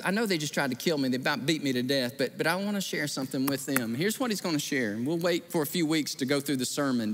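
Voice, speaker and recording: Animated preacher in a reverberant sanctuary. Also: male voice, a little high. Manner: animated storytelling, acting out quoted voices. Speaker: pastor. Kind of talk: sermon. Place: large church sanctuary. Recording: long hall reverb.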